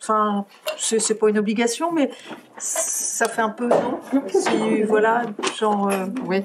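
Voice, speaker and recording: A woman with a fairly high pitch and ordinary pitch variation at a very slow pace, with long, frequent pauses, very even loudness and noticeable background noise. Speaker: interviewer, event host. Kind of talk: live talk moderation. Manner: hesitant.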